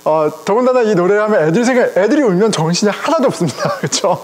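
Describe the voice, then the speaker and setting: A middle-aged man, a pastor, preaching a sermon in a conversational, animated way, speaking directly to his congregation. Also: high-pitched, fast talker. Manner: conversational, animated, chuckles often, addresses congregation. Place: church sanctuary. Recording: long reverb of a church hall.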